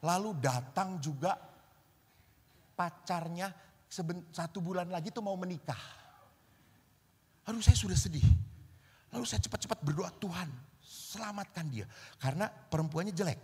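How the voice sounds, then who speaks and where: Man, Catholic priest, Javanese Indonesian accent, husky, lively storytelling sermon, echoing hall. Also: high voice, normal speed, pauses often. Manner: animated storyteller acting out voices. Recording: reverberant hall.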